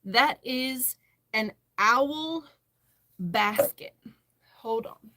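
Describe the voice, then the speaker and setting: A woman's voice: on the high side, lively intonation, drawn-out words, noisy background. An American woman hosting a casual livestream, chatting and answering viewer comments as she goes. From western Massachusetts, United States. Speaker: livestream host, crocheter.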